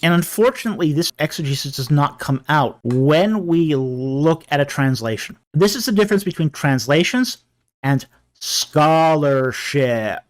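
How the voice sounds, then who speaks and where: A man's voice: fairly high pitch, animated, a little slow. A man, a Christian apologist, explaining ancient texts in a lecturing commentary.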